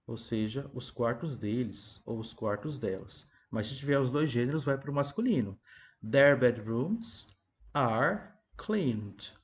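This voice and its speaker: A man teaching an English review lesson, asking himself questions and answering them, and saying example sentences slowly. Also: mid-range voice, lo-fi sound. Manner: keeps adding "tá?" and "ó". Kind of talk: recorded classroom review lesson.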